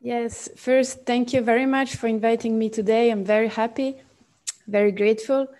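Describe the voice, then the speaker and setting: A Swiss woman in her late twenties with a Swiss French accent, a podcast guest talking haltingly with many fillers and restarts. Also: a little high, steady tone, darkish tone. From Switzerland. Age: 20s. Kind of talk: podcast interview.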